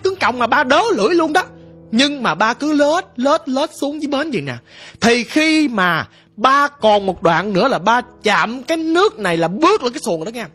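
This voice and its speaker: Brief: a woman, dramatic ghost story narrator, husky tone. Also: high voice, a bit bright. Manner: dramatic, conversational retelling.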